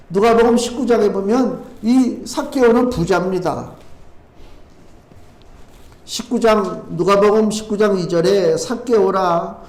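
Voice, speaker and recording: High-voiced male pastor preaching, echoey church. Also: darkish tone. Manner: reads scripture slower and lower, then preaches with rising urgency. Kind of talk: sermon. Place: church sanctuary.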